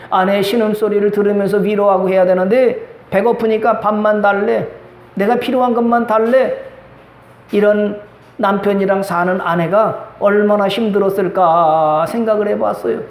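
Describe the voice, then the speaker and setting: High-voiced pastor in an echoey church. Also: male voice, steady tone, normal speed. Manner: storytelling with acted dialogue, asks the congregation questions. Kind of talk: sermon. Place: church sanctuary. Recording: echoey church hall with faint background noise.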